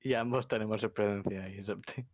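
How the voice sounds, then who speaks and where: A man with an accent from Spain and a slightly low voice. He chats casually with gamer friends, joking and swearing freely. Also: steady tone, fairly quick, no room sound, studio quality. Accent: Spanish, from Spain. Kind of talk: casual gamer banter in voice chat.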